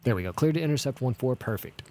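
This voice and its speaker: A man streams an air traffic control simulator, keeping up a fast, casual running commentary packed with radio-style jargon. His medium-pitched voice is lively with a dark tone, and he thinks aloud and swears now and then. Keyboard typing and clicks are clearly heard in the background.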